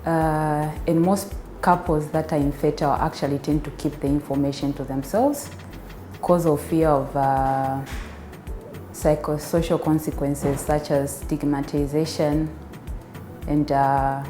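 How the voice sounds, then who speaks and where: Low-voiced Zambian woman, hesitant. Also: level tone, a little slow, mellow. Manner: hesitant, many fillers and restarts. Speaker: biomedical scientist giving a testimonial. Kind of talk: filmed testimonial interview. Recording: echoey room with faint music.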